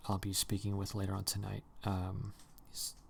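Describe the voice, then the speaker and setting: Casual male stream host, low gravelly voice, rambling delivery. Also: monotone, moderate pace, a little hiss or hum. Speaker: livestream host. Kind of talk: casual chat.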